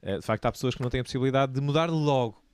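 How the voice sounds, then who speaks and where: Smooth-voiced man with European Portuguese accent. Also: medium pitch, very fast, darkish tone, dry recording, clean studio sound. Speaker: video producer turned entrepreneur. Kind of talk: casual personal account in conversation.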